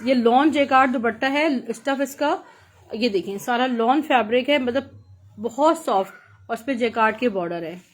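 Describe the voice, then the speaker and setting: A woman with a Pakistani accent giving a live sales pitch for clothes in chatty teleshopping patter, repeating her praise and prices. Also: slight background noise. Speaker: live online clothing seller.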